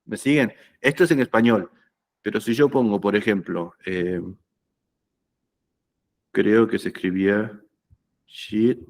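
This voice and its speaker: A man's voice: on the low side, slow, long pauses. A man giving an anatomy lecture, conversational and often checking that students follow. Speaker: anatomy teacher. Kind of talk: lecture explaining slides.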